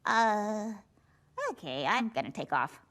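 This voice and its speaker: A woman's voice: mid-range voice, lively intonation, slow pace. A woman with an American accent voicing a brainy, quirky young cartoon sleuth with a dry, chatty manner. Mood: curious, awkward.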